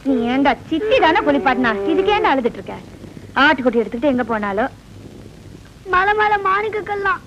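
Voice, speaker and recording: An excitable woman. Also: sits high, a little fast, muffled recording, noisy background. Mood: fretting. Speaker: actress in a film comedy. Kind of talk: film comedy dialogue.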